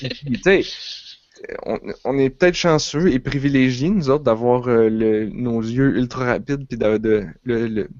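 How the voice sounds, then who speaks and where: A man's voice: medium pitch, a little slow, a little mellow, no room sound, lo-fi sound. Rambling Quebec French man, dry close sound. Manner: rambling, many restarts and fillers. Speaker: podcast co-host. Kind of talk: casual chat.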